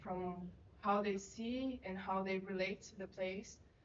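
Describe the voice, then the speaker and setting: With a non-native accent, a woman speaks fairly slowly in a medium pitch and a flat, monotone delivery, with noticeable background noise behind her. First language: Portuguese. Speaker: audience member. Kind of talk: question from audience. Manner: hesitant.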